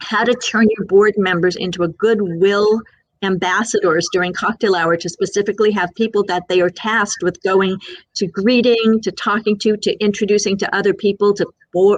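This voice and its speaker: A woman speaks in an ordinary speaking voice at a medium pitch, her intonation fairly even. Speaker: fundraising consultant. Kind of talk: webinar advice talk. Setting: live video stream.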